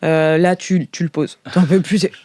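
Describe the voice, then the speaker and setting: A woman's voice: on the low side, fairly even intonation, mellow, no room sound. Woman game master, close dry sound. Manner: halting, informal storytelling. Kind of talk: improvised narration of a tabletop role-playing game.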